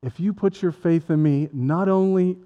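A man's voice: sits high, normal speed. A man preaching a sermon as pastor, talking conversationally and joking with people in the congregation. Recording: dull lo-fi sound with long hall reverb.

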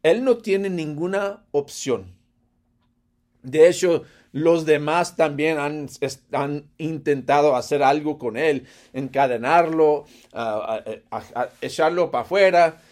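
A man delivers a sermon with a somewhat high voice and an unhurried, slow pace. He swings between loud, emphatic passages and quiet, hushed asides, often with a light laugh. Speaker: preacher.

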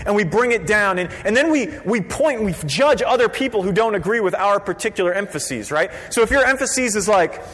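A man preaching a sermon as pastor, conversational and lively, dropping to a quiet voice for emphasis. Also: high-pitched, brisk, few pauses. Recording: long reverb of a large hall.

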